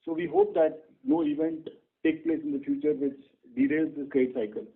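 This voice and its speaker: An Indian man answering questions on an earnings call as a bank executive, speaking in a halting, repetitive way over a conference line. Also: fairly high pitch, huge pitch swings, creaky. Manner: halting, repetitive, says "you know" often. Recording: muffled band-limited conference phone line.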